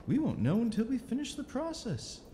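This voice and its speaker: An actress playing a cruelly amused, sinister mage inquisitor with a theatrical, drawling, condescending manner in an audio drama. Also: female voice, a little high, huge pitch swings, brisk, dark tone, slight background noise. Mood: cruel amusement. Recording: long echoing reverb, music underneath.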